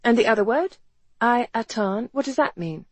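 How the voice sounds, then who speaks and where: A narrator plays a young lady in a storybook, gentle and inquisitive. She questions softly with a touch of skepticism, and the sound is close and dry. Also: on the high side, expressive, moderate pace, dry recording, pitched above the performer's own voice. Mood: curious. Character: gentle, curious, skeptical slim young woman.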